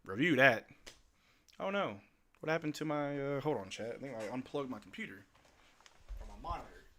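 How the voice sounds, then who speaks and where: Excitable man calling a game on stream. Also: medium pitch, normal speed, slight background noise. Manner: excitable, joking fan reacting to chat. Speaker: livestream host. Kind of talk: live play-by-play watch-along commentary.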